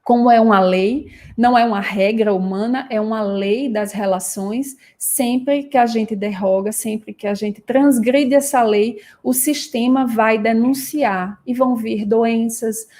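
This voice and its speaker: A woman with a Brazilian Portuguese accent, a psychoanalyst calmly explaining ideas with everyday examples in a live talk. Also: on the high side, measured pace, few pauses.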